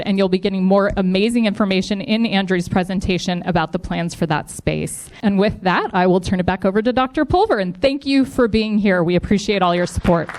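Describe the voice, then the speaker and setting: A woman giving an upbeat, encouraging speech at a live community event, thanking donors and promoting a fundraiser. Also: medium pitch. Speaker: foundation representative speaking at a district event.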